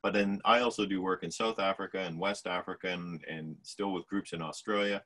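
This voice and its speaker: A man's voice: deep voice, steady tone, brisk, sharp tone. A man from Canada, a professor, speaking casually and plainly in a panel talk.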